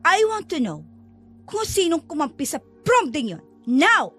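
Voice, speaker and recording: A woman's voice: sits high, big pitch swings, measured pace, fairly bright tone, faint music behind, exaggerated voice. A woman voicing a bossy, haughty rich teenage schoolgirl in a spoken horror story. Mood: demanding. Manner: haughty, mixes English commands.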